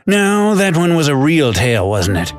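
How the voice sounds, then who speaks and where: A man's voice: fairly high pitch, sing-song, moderate pace, faint music behind. A man voicing an old male pirate storyteller who tells tales of lost treasure in pirate slang with a theatrical drawl. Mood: jolly. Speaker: narrator. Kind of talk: scripted narration.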